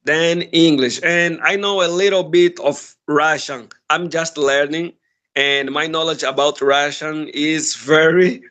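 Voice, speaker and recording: Friendly Angolan man, higher voice. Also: sharp tone. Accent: Angolan Portuguese. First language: Portuguese. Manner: friendly, thoughtful, laughs often. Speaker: conversation partner. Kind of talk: casual chat.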